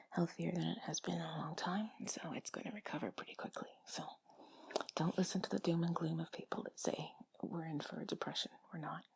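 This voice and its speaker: Breathy, whispering woman, hushed and reassuring. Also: on the low side, poor audio. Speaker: audio creator speaking to listener. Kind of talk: intimate comforting whispered talk.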